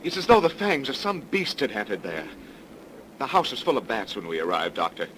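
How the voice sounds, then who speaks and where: A man's voice: medium pitch, sing-song, fairly quick, a bit bright, slight background noise, poor audio. An actor playing an earnest young man with theatrical, emphatic delivery in 1930s radio drama style, on an old broadcast recording. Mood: worried. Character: earnest, anxious young man fearing for his brother.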